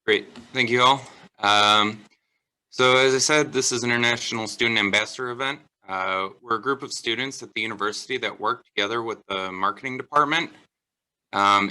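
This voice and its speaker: Bright-voiced young man hosting. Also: lowish voice, rough recording. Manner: relaxed, frequent "uh" fillers. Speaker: event host, master's student. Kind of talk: hosting an online Q&A.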